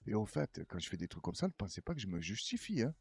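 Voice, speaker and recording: Male host, husky and low, loose rambling reaction talk. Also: big pitch swings, fast, no room sound, faint music behind. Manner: rambling, chatty, laughs often. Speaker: news commentary host. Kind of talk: casual reaction commentary.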